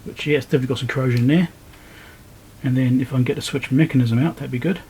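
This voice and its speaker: A man with a medium-pitched voice talks through hands-on repair work in a casual, low-key way. He thinks aloud one step at a time, as the host of an electronics repair video. There is noticeable background noise and workshop ambience behind him. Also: steady tone, rapid-fire, warm tone, poor audio. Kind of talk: casual hands-on commentary while working. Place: indoor repair workbench.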